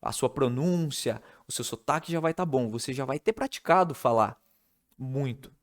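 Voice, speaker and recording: A man's voice: medium pitch, normal speed. Brazilian man teaching a casual video lesson. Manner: explains step by step, checks in with "né?" and "tudo bem?". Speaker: English teacher.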